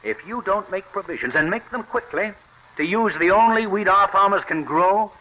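With a high-sitting voice, lively intonation and a moderate pace, an actor portrays an earnest wheat farmer, a plant explorer persuasively pleading for new wheat in an old radio drama. The sound is that of a dull, lo-fi old radio recording.

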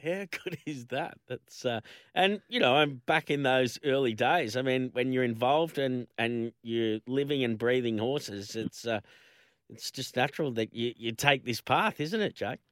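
A man's voice: medium pitch, unhurried, fairly bright tone, no echo, studio quality. A middle-aged man hosting a casual chat, telling stories in a rambling way with lots of fillers. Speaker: host.

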